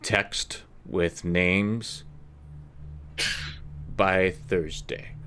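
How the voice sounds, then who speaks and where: This is a put-on character voice. Clear background noise runs behind it. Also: man, very deep, low pitch for a man. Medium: actual play. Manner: terse broken English, drops words.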